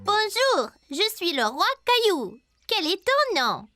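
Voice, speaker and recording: A performer voicing an excitable, playful little boy in a children's cartoon. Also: extremely high pitch, slow pace, soft background music, exaggerated voice. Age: young child character. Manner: playful, wide-eyed, exclaiming. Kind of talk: cartoon voice acting.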